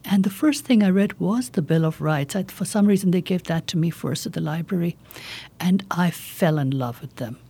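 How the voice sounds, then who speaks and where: A woman in her fifties speaks with a slight South Asian accent and a soft-edged, husky tone. She gives earnest, conversational interview answers in deliberate short phrases, her timbre dark and mellow. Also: on the low side. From India and Pakistan. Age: 50s. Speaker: political candidate, interview guest.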